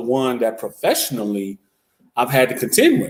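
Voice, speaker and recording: A man speaks with an American accent. His pitch sits in the medium range, with ordinary pitch variation. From South Central Los Angeles. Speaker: podcast co-host. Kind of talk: casual chat.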